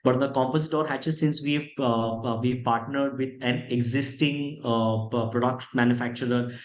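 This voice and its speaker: Indian male executive on an earnings call, mid-pitched, explanatory, echoey room sound. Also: steady tone, normal speed. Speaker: company executive answering investor questions. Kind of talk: conference call question and answer.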